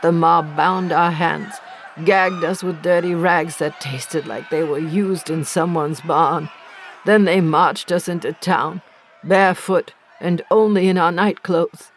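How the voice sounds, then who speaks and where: A woman playing an accused village healer, bitter and defiant, narrating a horror audio drama gravely and deliberately in a creaky voice. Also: on the low side, steady tone, some chatter behind, slight background noise. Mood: agitated. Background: faint music.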